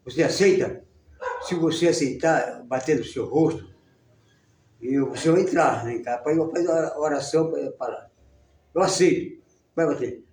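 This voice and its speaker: A man teaching a church class, telling a story in a casual, halting way with many repetitions. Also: on the high side, a little mellow, slight background noise. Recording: roomy sound, distant mic.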